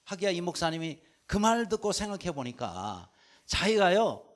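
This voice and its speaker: A senior pastor delivers a Sunday sermon in a high voice at a moderate pace. He tells an anecdote and performs the quoted dialogue with lively swings in his voice.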